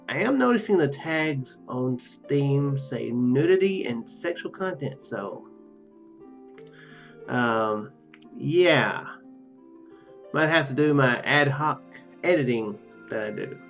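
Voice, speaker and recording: A man's voice: mid-range voice, muffled recording. A man giving casual let's play commentary and reading game text aloud, hesitant and rambling, often repeating his phrases. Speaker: YouTube game player. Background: game music.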